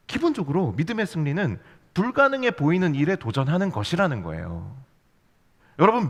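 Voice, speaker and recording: A man's voice: on the high side, fairly bright tone. A man preaching a sermon as youth pastor, playful and storytelling, full of rhetorical questions to the congregation. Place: church sanctuary. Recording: long hall reverb.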